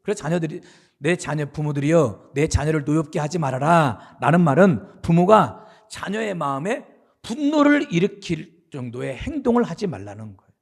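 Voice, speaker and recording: A man's voice: a little high, big pitch swings, normal speed, vocal fry. A middle-aged man, the senior pastor, preaching a sermon in a church sanctuary in a conversational way, asking his listeners questions.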